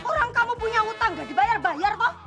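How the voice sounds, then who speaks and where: A shrill debt collector. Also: female voice, expressive, a little fast, loud music behind the voice. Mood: scolding. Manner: scolding, insistent. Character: angry young woman collecting a debt. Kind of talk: sitcom acting.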